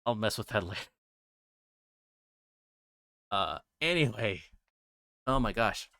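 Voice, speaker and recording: A man chatting casually as he hosts a game livestream, halting and rambling and often trailing off. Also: fairly low pitch, animated, gravelly, sharp tone, dry recording, studio quality. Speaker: livestream host playing a visual novel.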